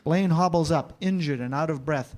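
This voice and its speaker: Slightly high-voiced man narrating a screenplay. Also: moderate pace, darkish tone. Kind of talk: scripted screenplay narration, present tense.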